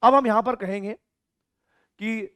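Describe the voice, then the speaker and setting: A man gives a physics lecture to exam students, playfully posing questions and answering them himself, dictating definitions slowly and swinging between loud calls and soft asides. His voice sits high and smooth with fairly even intonation, and there's no room sound.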